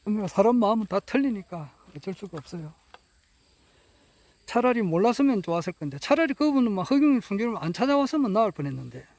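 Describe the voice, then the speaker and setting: Man, high voice, mellow tone, folksy rambling talk, frequent chuckles. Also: big pitch swings, fast. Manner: chuckles often, folksy and earnest. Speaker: political supporter speaking to camera. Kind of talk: casual rambling monologue.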